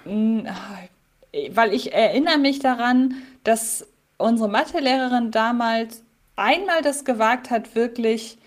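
A woman co-hosts a casual podcast and talks through her thoughts as they come. She hesitates often, filling pauses and restarting her sentences. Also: fairly high pitch. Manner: thinking aloud, hesitant with many fillers. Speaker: podcast co-host.

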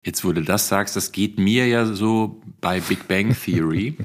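A man's voice: lowish voice, a little slow. A man co-hosting a podcast, chatting casually. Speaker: podcast co-host.

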